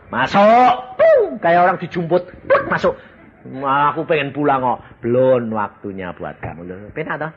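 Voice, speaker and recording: A man preaches an animated sermon, his pitch swinging widely as he acts out voices. He breaks into sudden loud outbursts. The recording is dull and lo-fi with faint background noise.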